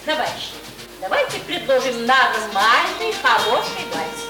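Brief: prim, insistent woman, high-pitched, radio drama with loud music behind. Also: big pitch swings, a little slow, echoey room. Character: prim, opinionated woman at a banquet. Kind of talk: Soviet radio play acting.

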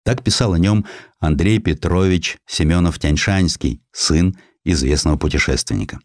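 A man narrates a historical essay as a scripted audiobook, in an expressive, measured storytelling manner. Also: low-pitched, no echo.

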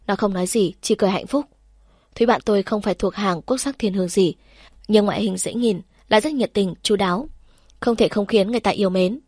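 A woman narrates a novel in the first person, calm and steady in her storytelling. Her voice sits at a middle pitch and is recorded close and dry, with no room sound. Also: fairly quick, dry recording. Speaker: audiobook narrator.

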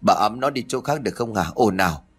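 A man voicing a harsh young mother who scolds her mother-in-law in a rude, fast voice. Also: fairly low pitch, animated, husky. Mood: scolding.

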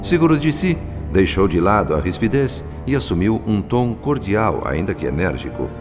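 A low-voiced Brazilian man narrates a radio drama in a deliberate, solemn style. His phrasing is expressive, and it rings with long reverb over prominent music.

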